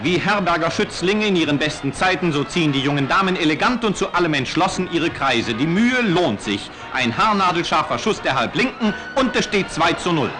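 Male old-newsreel announcer, fairly high voice, upbeat and rhythmic, scripted 1950s narration. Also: very animated, fairly quick. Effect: old newsreel playback. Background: music.

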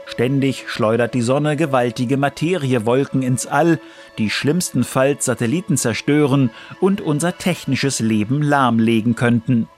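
A man's voice: medium pitch, measured pace, darkish tone, soft background music. A man reading scripted science documentary narration for a radio feature.

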